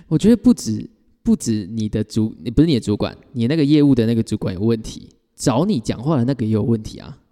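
A man's voice: medium pitch, expressive, moderate pace, mellow, in a large hall. A man co-hosting a casual podcast, reacting bluntly and giving strong opinions with mild swearing. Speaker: podcast co-host. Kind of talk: casual chat.

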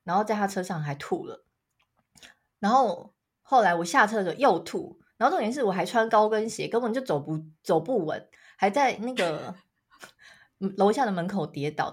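A woman's voice: medium pitch, brisk. A woman in her thirties with a Taiwanese Mandarin accent, co-hosting a casual podcast chat and acting out quoted lines as she tells stories. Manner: animated storytelling, acts out quotes, laughs often. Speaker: podcast co-host.

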